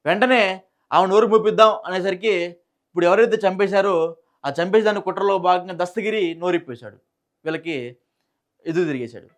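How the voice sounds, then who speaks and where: A man's voice: high voice, fairly bright tone. A man with a Telugu accent giving informal political news commentary, repeating phrases for emphasis and asking rhetorical questions.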